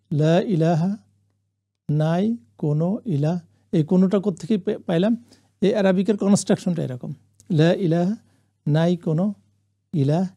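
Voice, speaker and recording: A man teaching the meaning of Quranic Arabic words, reciting phrases slowly for listeners to repeat and adding English glosses. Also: high voice, creaky, dark tone. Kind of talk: classroom lesson on Quranic Arabic.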